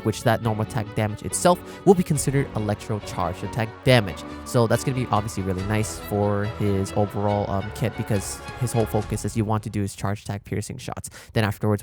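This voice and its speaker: A man's voice: medium pitch, a little mellow. A man giving casual, chatty reaction commentary as a gaming content creator, explaining things as he goes. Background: music.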